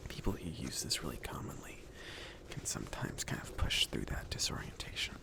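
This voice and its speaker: A man playing a chill, considerate mage in an ASMR fantasy roleplay, speaking softly in a casual, hesitant, reassuring way. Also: a bass voice, sing-song, brisk, gravelly, full character voice. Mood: calm, instructive. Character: chill, considerate mage sending an apprentice on errands.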